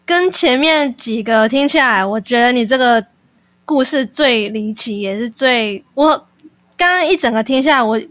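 Higher-voiced woman host. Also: animated, moderate pace, fairly bright tone, no echo. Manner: reactive, asks short questions, exclaims. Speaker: podcast host. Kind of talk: call-in radio-style chat.

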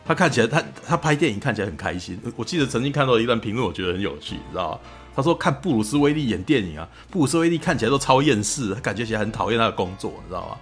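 A man co-hosting a podcast in casual chat, talking in an animated way and tagging his points with "you know?". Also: fairly low pitch, soft background music. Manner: fast, animated, keeps asking "you know?". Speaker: podcast co-host.

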